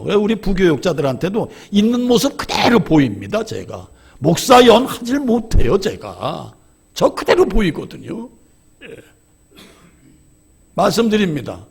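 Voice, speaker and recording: A male pastor preaching a sermon with a gravelly, husky voice. He pitches a little high for a man and leaps from near-whispers to shouted emphasis. His storytelling is candid and self-deprecating. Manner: swings between hushed asides and shouted emphasis. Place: church.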